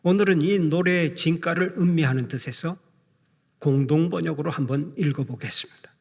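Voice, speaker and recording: A middle-aged male pastor delivers a measured sermon, slowing down when he recites scripture. His voice sits somewhat high for a man. A long reverb trails through the large church hall. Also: vocal fry. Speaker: senior pastor. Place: church sanctuary.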